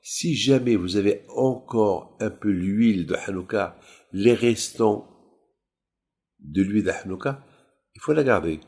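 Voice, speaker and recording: A middle-aged man with a Moroccan accent, a rabbi telling an informal religious story in halting phrases that he often repeats for emphasis. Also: fairly low pitch, expressive, a little mellow.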